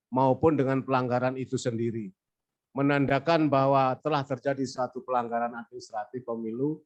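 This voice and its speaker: A man's voice: medium pitch, darkish tone. Guy with a cold reading out legal procedure slides, muffled lo-fi sound. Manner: reads formal legal text, says next slide between points. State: has a cold. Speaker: presenter at a weekly election supervisory discussion.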